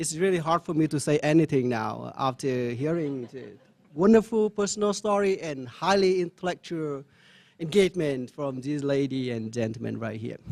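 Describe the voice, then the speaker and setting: On a very clean recording with a silent background, a man talks at a moderate pace with a Vietnamese accent. His pitch is fairly high and his intonation lively. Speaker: panelist, university academic. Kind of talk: panel talk.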